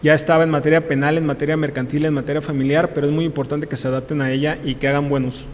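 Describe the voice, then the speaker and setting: A man's voice: on the high side, level tone, rapid-fire, big-room sound. A man with a Mexican accent, a labor lawyer, gives a university lecture in an emphatic, repetitive way, restarting often. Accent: Mexican Spanish. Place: lecture hall.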